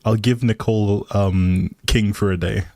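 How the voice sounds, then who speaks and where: Low-voiced man chatting casually on a stream. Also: steady tone, a little slow, darkish tone, dry recording. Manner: playful, teasing, informal banter. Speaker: game livestream host. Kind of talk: casual livestream chat with viewers.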